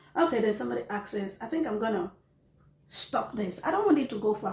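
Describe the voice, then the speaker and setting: Her pitch is medium, with very wide swings, and a woman speaks at a very fast pace in an animated tone. Noticeable background noise sits behind her. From Nigeria. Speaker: vlogger. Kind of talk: casual Q&A vlog.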